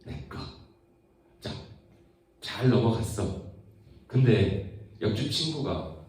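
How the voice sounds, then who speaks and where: Low, mellow preacher in an echoey hall. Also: male voice, takes it slowly, distant mic. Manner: keeps asking the audience questions; acts out family dialogue in lively put-on voices. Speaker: youth preacher. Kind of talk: conversational sermon to teenagers. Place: large church hall. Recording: very echoey hall, voice heard from afar.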